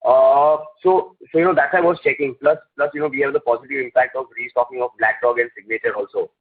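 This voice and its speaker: A man's voice: medium pitch, fairly even intonation, quick pace, breathy edge. A man with an Indian accent, an analyst hesitantly framing questions on an earnings call and repeating words as he goes. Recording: narrow tinny phone line.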